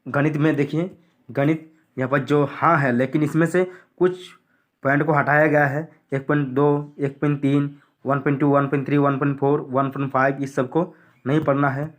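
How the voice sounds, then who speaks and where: A man's voice: fairly high pitch, little pitch movement, moderate pace. A man going through a school syllabus on screen, repeating what to study and what to skip in a plain explanatory way. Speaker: teacher.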